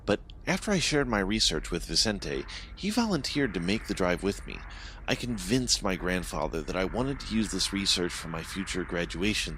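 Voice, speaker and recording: A man's voice: low-pitched, fairly bright tone, slight background noise. A man narrating a scripted horror story in a dramatic way, swelling and dropping his voice for suspense.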